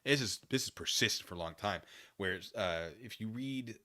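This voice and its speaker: A man hosting a casual livestream, thinking out loud in an opinion monologue, often rephrasing and qualifying what he says. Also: on the low side, animated. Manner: musing, halting, often rephrasing and qualifying himself. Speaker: livestream host. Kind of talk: casual opinion monologue, answering chat comments.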